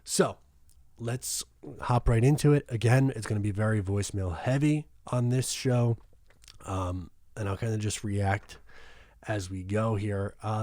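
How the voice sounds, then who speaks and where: A young man hosts a casual sports podcast, rambling loosely with plenty of fillers. His voice sits low and mellow, and the recording is close and dry. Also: no room sound. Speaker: podcast host.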